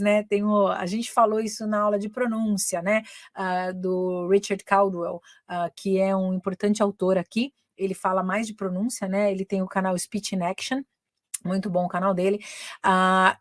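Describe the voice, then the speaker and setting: A Brazilian woman who speaks Portuguese as her first language teaches English live, moving between the two languages in a chatty way. Her voice sits at a middle pitch, and the recording is close and dry with no room sound. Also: no echo. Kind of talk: bilingual live online lesson.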